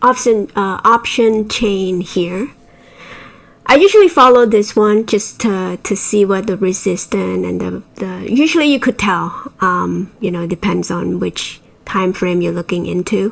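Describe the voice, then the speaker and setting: A woman talks at a fairly slow pace amid noticeable background noise. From a developing country. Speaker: stock market streamer. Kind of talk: live stream commentary. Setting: live stream. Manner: goes higher in pitch when excited; hesitant, many fillers.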